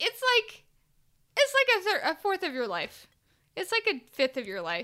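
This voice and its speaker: A woman's extremely high, raised and projected voice, bright and sharp, with very wide pitch swings, a moderate pace and long, frequent pauses. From South Africa. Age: 30s. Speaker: podcast co-host. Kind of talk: casual chat.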